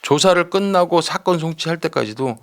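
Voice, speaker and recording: Creaky-voiced man explaining a criminal case. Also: a little high, lively intonation, brisk. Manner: emphatic, explanatory, repeats points, seeks agreement. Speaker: true-crime commentator with detective background. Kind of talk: conversational case commentary.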